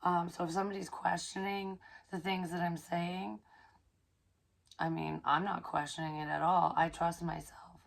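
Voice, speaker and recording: A hoarse young woman, chatting casually in a rambling psychic vlog, swearing freely and filling pauses with ums. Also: on the low side, flat delivery. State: hoarse, recovering from illness. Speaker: psychic medium vlogger.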